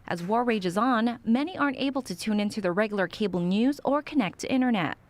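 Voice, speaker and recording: Woman reporter reading a scripted news piece, voice on the high side. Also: expressive, a little fast.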